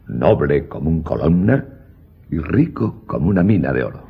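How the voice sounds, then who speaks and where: An actor playing an obliging, talkative innkeeper with a gravelly, husky voice in an audio drama. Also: male voice, a bass voice, very animated, moderate pace, phone-quality sound, heavily acted. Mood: respectful. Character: deferential, talkative Italian innkeeper serving wealthy guests. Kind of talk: Spanish audio drama acting.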